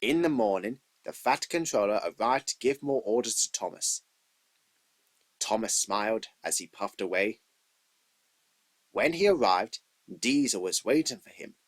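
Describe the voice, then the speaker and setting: A man's voice: lowish voice, expressive, measured pace, pauses often, low-quality recording. A man reading scripted narration for a children's train story as its storyteller.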